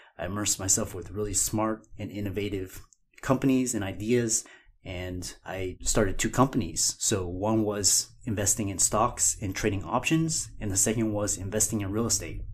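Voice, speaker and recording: A man with an American accent and a fairly low pitch sounds somewhat breathy on a very clean recording with a silent background. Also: ordinary pitch variation, moderate pace. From Texas, Houston. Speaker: podcast host, physician. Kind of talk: solo podcast monologue.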